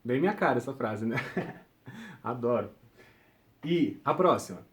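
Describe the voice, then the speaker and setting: A young man teaching a recorded grammar lesson, ending nearly every point with a quick check-in question to his students. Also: medium pitch, expressive. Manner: ends points with check-in tags like "tudo bem?".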